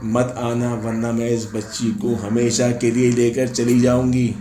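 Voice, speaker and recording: A man's voice: mid-range voice, completely flat delivery, warm tone, a little hiss or hum, natural voice. A man voicing a vengeful female ghost. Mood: menacing. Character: vengeful ghost of a woman burned alive. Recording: echoey room, faint music.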